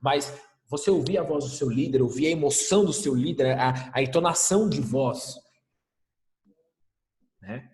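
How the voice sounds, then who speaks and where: A man's voice: mid-range voice, moderate pace, pauses often, darkish tone. Male teacher, recorded lecture; emphatic, rhetorical, repeats points; roomy echo. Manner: emphatic, rhetorical questions and repetition. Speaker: history teacher. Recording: echoey room with long reverb.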